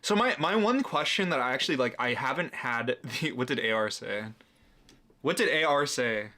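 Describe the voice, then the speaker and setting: A man's voice: mid-range voice, lively intonation, moderate pace, sharp tone. A young man hosting a reaction video, talking casually with incredulous, mocking asides and frequent laughs.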